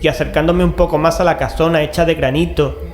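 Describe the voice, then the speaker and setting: A man's voice: fairly high pitch, fairly even intonation, quick pace, natural voice. A man playing a cool-headed, rational man in a dramatized horror audio story. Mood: measured, uneasy. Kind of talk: dramatized audio fiction, narration and dialogue. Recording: roomy echo, music underneath.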